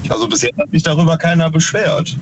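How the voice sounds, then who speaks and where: A man's voice: on the high side, big pitch swings, fast talker, dull audio, background noise. A man calling in to a show, telling a story hesitantly with many fillers. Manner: hesitant, lots of fillers, tells a story plainly. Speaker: caller. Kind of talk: casual phone-in chat.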